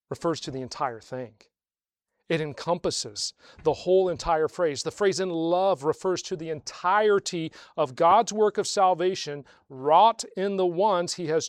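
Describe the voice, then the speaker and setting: A man preaching a sermon to a congregation, asking rhetorical questions and slowing down to stress key phrases. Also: high voice, no echo, studio quality. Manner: swells louder on key phrases, slows for emphasis. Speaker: pastor.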